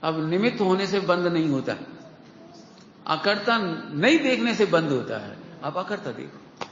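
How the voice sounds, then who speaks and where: A man giving a devotional sermon to a gathering, lively and questioning, repeating key phrases to his listeners. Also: high voice, unhurried. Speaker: Jain preacher. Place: large hall with an audience. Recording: echoey hall, dull lo-fi sound, faint hiss.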